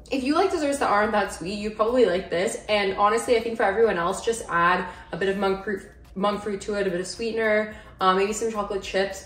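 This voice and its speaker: A woman's voice: medium pitch, slightly rough. A young adult woman talks casually as a food vlogger hosting recipe reviews, informal and sprinkling in "like" as she goes. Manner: informal, frequent "like" as filler.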